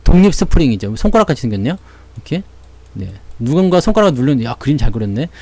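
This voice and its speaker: Lively, blunt man talking stocks. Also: mid-range voice, fast talker, no echo. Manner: blunt and slangy, acts out little imagined lines. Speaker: stock market commentator. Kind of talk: casual market talk to viewers.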